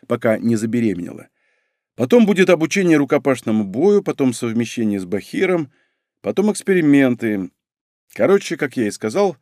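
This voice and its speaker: Brief: wry male narrator, animated delivery, dry studio sound. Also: medium pitch, no echo. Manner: wry, conversational. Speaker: audiobook narrator. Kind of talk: first-person audiobook narration.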